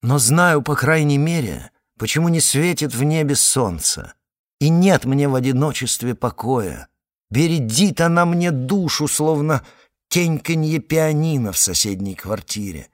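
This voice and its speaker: A man's voice: on the high side, lively intonation, a little slow, pitched above the performer's own voice. A man voicing a gloomy, lovesick man who speaks in mournful, lyrical phrases.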